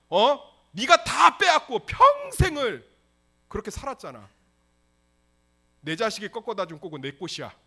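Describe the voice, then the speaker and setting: A man's voice: medium pitch, breathy edge, pitched below the performer's own voice, natural voice. A man voicing an older sister who angrily defends what is hers, in a sermon retelling. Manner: indignant, scolding. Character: hurt, defiant older sister standing her ground.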